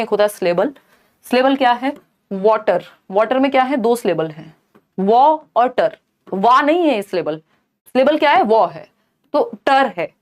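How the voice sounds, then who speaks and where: High-voiced teacher explaining exam questions. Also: female voice. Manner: explains in Hindi, reads English questions slowly. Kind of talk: online exam-prep lesson.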